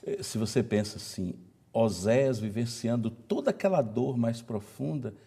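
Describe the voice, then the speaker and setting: A Brazilian pastor speaks with enthusiasm and frequent exclamations on a Bible talk show. His voice is relaxed, warm and a bit husky. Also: medium pitch, moderate pace. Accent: Brazilian Portuguese. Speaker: pastor, guest. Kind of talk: reflective religious discussion.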